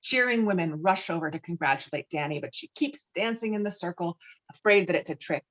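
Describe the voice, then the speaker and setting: A woman's voice: lowish voice, lively intonation, a little fast. Woman narrating a script, slightly dull sound. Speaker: narrator reading stage directions. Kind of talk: scripted narration at a virtual table read. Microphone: online call microphone.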